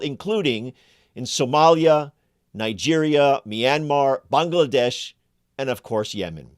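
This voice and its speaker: A man's voice: mid-range voice, no echo, studio quality. A man hosting a political podcast, speaking with passionate emphasis and then interviewing a guest. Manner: impassioned, emphatic. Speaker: podcast host.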